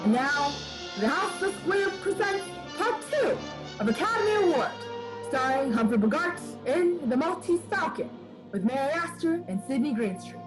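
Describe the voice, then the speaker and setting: A woman's voice: sits high, very animated, moderate pace, over loud music, low-quality recording. A woman playing a polished 1940s radio announcer, formal and theatrical. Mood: grand, formal.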